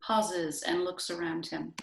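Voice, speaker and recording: A woman's voice: fairly low pitch, level tone, slow pace, vocal fry. A woman reading scripted stage directions as the narrator of a play. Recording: very echoey room.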